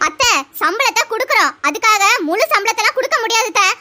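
A woman's voice: very high-pitched, lively intonation, quick pace, pushed and bright, heavily acted. A woman voicing a polite, patient young daughter-in-law in a cartoon. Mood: pleading. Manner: polite, pleading. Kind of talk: cartoon voice acting.

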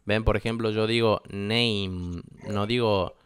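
A man's voice: mid-range voice, moderate pace, background noise. A young Argentine man teaching English in a classroom, explaining step by step and checking that students follow. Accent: Argentine Spanish. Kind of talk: classroom lesson.

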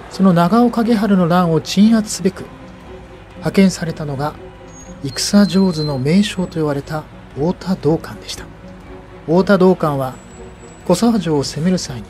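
A man's voice: high voice, a little mellow, slightly rough. A man narrating local history as an explanatory guide.

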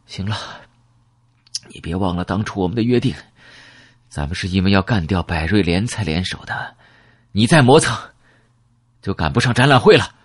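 Man doing a gruff, swearing young gunman. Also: low-pitched, animated, moderate pace, pauses often. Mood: urgent. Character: tough foul-mouthed young male gunman.

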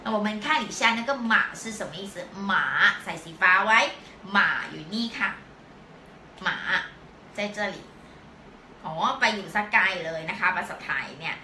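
A woman teaching a live-stream language lesson, patiently explaining step by step and slowly repeating words for learners. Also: mid-range voice, pushed and bright, a little hiss or hum. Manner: slow, drawn-out repetition of words for learners. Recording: echoey room.

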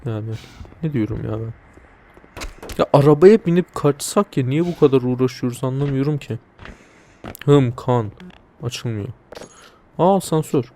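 A man's voice: mid-range voice, normal speed, long pauses, warm tone, slight background noise. A young man casually commenting on a video game, joking and talking back to the characters and the viewers. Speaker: let's play commentator.

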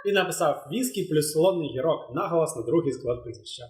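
A man's voice: a little high, lively intonation, fast talker, a little mellow, soft background music. A man co-hosting a cocktail show, chatting casually and joking. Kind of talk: casual chat. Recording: echoey room.

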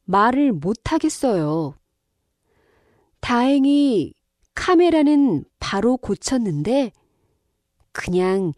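A woman reading a scripted listening-test dialogue, slowly and with careful enunciation. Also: a little high, darkish tone, dry recording, clean studio sound. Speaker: dialogue reader on a Korean listening exam.

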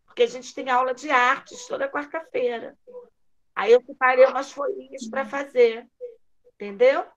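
A woman teacher with a Brazilian Portuguese accent, giving a remote literacy lesson to a young child over a call, drilling syllables slowly in a sing-song way. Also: high-pitched.

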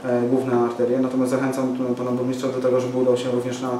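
A mid-range male voice, completely flat and quick, belongs to a local party activist in his forties making a press conference statement. He falters with frequent fillers and restarts. A far camera mic captures the small office room with a window, yielding a noisy, echoing recording.

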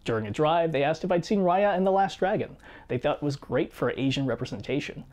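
A man's voice: a little high, animated. Reflective man narrating a personal video essay. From United States. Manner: measured, reflective storytelling with quiet asides. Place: small home studio room with guitars and shelves.

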